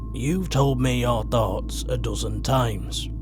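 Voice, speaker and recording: A man in a put-on, rumbling character voice speaks at a fairly slow pace over loud background music. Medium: read story. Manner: grave, heavy.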